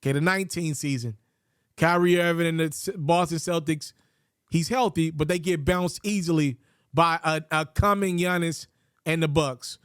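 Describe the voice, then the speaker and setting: Quick-talking man with a high voice. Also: fairly bright tone, no echo, clean studio sound. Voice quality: a little raspy. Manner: quick, opinionated, conversational. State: just had wisdom teeth pulled. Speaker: sports commentator. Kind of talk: casual sports commentary.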